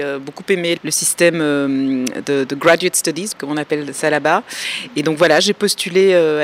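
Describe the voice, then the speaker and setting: A woman, answering interview questions in a thoughtful, measured way as she searches for her words. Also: fairly low pitch. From Belgium. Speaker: guest researcher.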